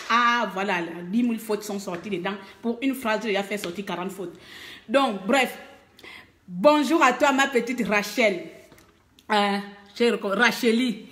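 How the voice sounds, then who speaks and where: A woman's voice: mid-range voice, a bit bright, reverberant, slight background noise. A woman from Gabon with a Gabonese French accent, making an emphatic, hesitant appeal for mobilization on a live video, full of fillers. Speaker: activist making a call to mobilize. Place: abroad, away from home country.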